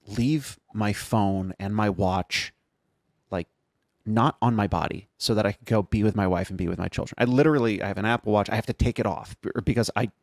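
Male podcast co-host, gravelly, candid and self-mocking, dry close sound. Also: lowish voice, a little mellow, no room sound. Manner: candid, self-deprecating, quick asides. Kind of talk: casual podcast discussion.

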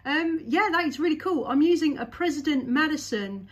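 A woman with a high-pitched voice speaks as a CB radio operator. She sounds enthusiastic and chats casually into a desk microphone, trading call signs and remarks with another station. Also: expressive, moderate pace. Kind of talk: casual radio contact chat.

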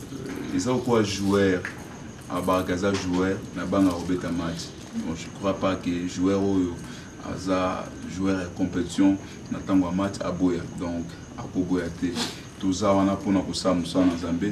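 Deep-voiced man giving an earnest interview. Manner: earnest, appealing for support. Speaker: gospel singer interviewed. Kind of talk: casual interview answers. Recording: distant mic with loud noise.

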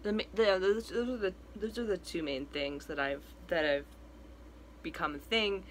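A man's voice: high-pitched, normal speed, slight background noise. A young trans man talking through a casual home vlog update, rambling with lots of fillers, his voice cracking now and then. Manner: chatty and rambling, many fillers and restarts. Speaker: vlogger. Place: small room indoors at home.

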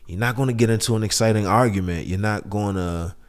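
Deep laid-back man podcast co-host. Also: fast talker. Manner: laid-back, smooth, playful. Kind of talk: casual podcast chat and sign-off.

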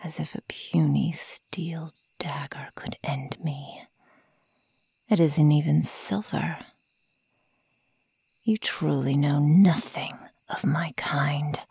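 A woman voicing a sadistic, predatory werewolf girl who taunts her prey in a breathy whisper, in an ASMR roleplay. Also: sits low, steady tone, warm tone, no echo, heavily acted. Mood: cold, threatening. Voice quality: breathy, mostly whispered, creaky. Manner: slow, taunting, menacing.

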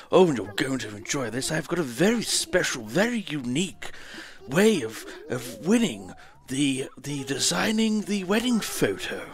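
A man's voice: on the high side, fairly bright tone. A man streaming a game, putting on a theatrical, overly polite presenter voice as he walks through a tutorial. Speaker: streamer doing an impression. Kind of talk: mock-posh gameplay tutorial.

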